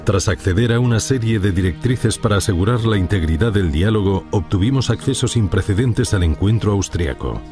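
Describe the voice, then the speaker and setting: A man reading scripted documentary narration in a measured, solemn way. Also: fairly low pitch, lively intonation. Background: music.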